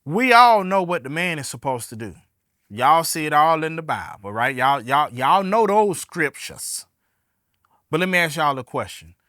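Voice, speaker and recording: A man with a high, forceful voice and a Southern Black American accent hosts a casual podcast. He speaks folksily and directly to his audience, putting questions to them as he goes. The recording is dry and close, with music in it. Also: very animated, moderate pace, no echo. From Alabama, US. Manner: folksy, direct address with rhetorical questions and endearments like "baby". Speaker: podcast host.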